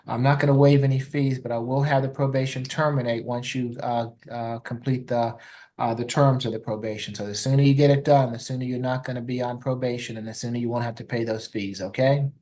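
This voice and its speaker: A man's voice: mid-range voice, steady tone, a little fast, warm tone. A man speaking as a judge, putting formal plea questions in a polite, procedural courtroom manner.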